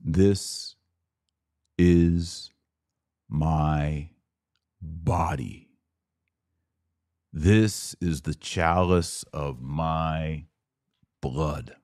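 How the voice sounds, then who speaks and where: A man hosting a Catholic podcast, giving a sermon-like explanation in an emphatic, deliberate way with dramatic pauses. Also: very deep voice, steady tone, darkish tone, dry recording, studio quality.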